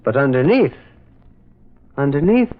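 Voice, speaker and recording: An actor playing a gentle, shrewd priest detective in an old-time radio mystery, wry and curious, musing in a hesitant, folksy way. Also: male voice, medium pitch, very animated, measured pace. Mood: curious, puzzled. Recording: muffled old radio recording.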